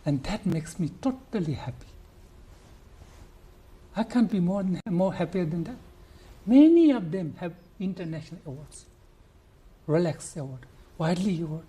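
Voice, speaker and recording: Older nepali guy, nepali accent, husky dark voice, earnest and halting w lots of restarts. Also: high voice, animated. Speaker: conservationist guest. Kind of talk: interview answers.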